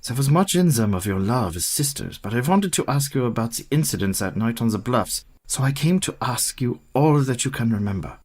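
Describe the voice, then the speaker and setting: A man's voice: medium pitch, animated, a little mellow, lightly acted. Courtly elderly professor, grave and kind, mid-range voice, voiced by a man, radio play. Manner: formal, courtly, measured speech. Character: learned elderly male professor, gentle and grave.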